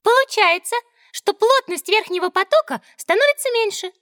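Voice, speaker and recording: A woman voicing a clever schoolgirl who makes quick, thoughtful comparisons in a children's audio drama. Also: very high voice, lively intonation, fairly bright tone, no room sound. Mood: bright. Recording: dry studio recording.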